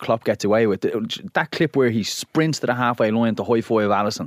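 This man has an Irish accent and a medium pitch, with ordinary pitch variation. He talks at a moderate pace, and the sound is dry and close with no echo. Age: 30s. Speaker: football podcast co-host. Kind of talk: casual chat. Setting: studio.

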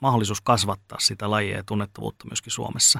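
In a dry, close recording with no echo and a silent background, very clean, a man with a normal speaking voice talks at a moderate pace in a medium pitch. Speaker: sports podcast host. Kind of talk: casual chat.

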